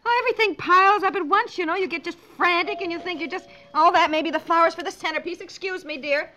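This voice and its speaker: Aktorka grająca upartą, gadatliwą i roztrzepaną żonę i matkę w komediowym słuchowisku radiowym z lat 50., gubi wątek w pół zdania. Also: female voice, very high voice, quick pace, background noise. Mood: frantic. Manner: fussy, scatterbrained, trails off mid-thought. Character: flustered, chatty, stubborn housewife and mother. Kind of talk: 1950s radio comedy acting.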